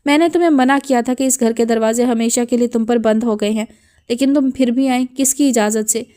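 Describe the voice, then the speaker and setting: A woman's voice: a little high, warm tone, natural voice. A woman voicing a stern, unforgiving old grandfather who scolds harshly in an audiobook. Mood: furious.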